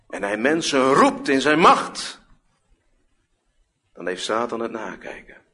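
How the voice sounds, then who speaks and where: A man preaching a sermon as a pastor, earnest and rhetorical, repeating phrases for emphasis and moving between hushed low passages and loud, rising exhortations. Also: creaky.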